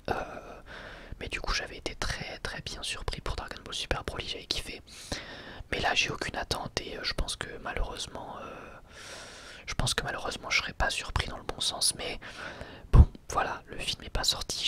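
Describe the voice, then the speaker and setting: A man whispering a casual, hesitant ASMR commentary in a breathy, unvoiced voice. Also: a bit bright. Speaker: ASMR video creator giving film opinions.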